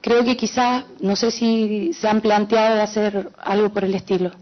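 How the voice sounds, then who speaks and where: A woman's voice: medium pitch, level tone, moderate pace. A woman from Chile with a Chilean accent, speaking from the audience and explaining her point earnestly with many hesitations. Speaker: audience member asking a question. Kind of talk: audience comment at a panel. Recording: dull lo-fi conference audio.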